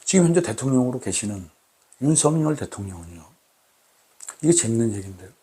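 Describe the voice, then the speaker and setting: A man hosting his own channel, talking to camera in a formal, deliberate way with many repeated rhetorical questions. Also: medium pitch, sing-song, dark tone. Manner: repetitive, emphatic rhetorical questions. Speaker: channel host. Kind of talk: solo talk to camera.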